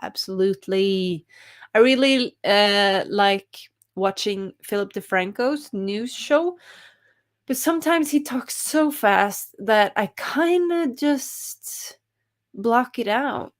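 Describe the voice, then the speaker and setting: A woman's voice: mid-range voice, lively intonation, takes it slowly. A young woman hosting a writing live stream, reading chat comments aloud in a cheerful, giggly way.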